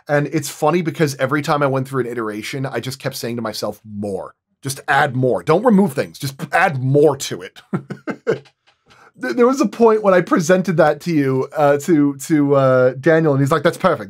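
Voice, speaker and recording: A man talking casually as a guest sound designer, in a halting, hesitant way. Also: medium pitch. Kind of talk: casual roundtable chat.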